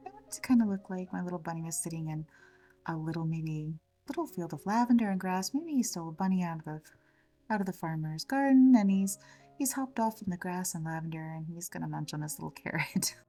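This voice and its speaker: A woman with a slightly scratchy voice from a cold, gently narrating a step-by-step craft tutorial in a chatty way. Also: lowish voice, animated, fairly quick, recorded from a distance, faint music behind. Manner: gentle, chatty, fond of the word little. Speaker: craft channel host.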